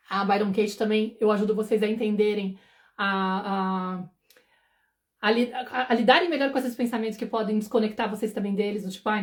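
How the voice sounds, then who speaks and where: A woman in her forties, a parenting mentor, giving a casual live talk, fast and conversational, often checking "understood?" and acting out anxious inner thoughts. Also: mid-range voice. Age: 40s.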